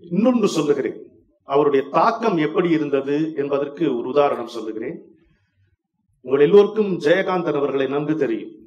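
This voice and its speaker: A man delivers a formal stage speech in an emphatic, oratorical manner, his fairly high voice swelling into loud, declaiming passages. He sounds some distance from the microphone, with the roomy echo of an event hall around him. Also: lively intonation, moderate pace, highs cut off. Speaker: speaker at an inauguration event. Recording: echoey hall, voice far from mic.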